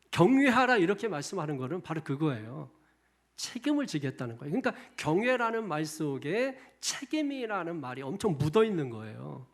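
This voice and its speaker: A middle-aged male pastor preaching a sermon, emphatic, firing off repeated rhetorical questions with loud stresses on key words. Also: on the high side. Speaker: senior pastor.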